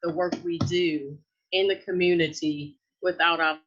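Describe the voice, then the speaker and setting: A woman's voice: fairly low pitch, steady tone, measured pace, breathy edge, highs cut off. Woman on glitching video call audio. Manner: earnest, with frequent fillers. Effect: glitching, cutting-out audio. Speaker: nonprofit representative. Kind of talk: informational talk on a video call.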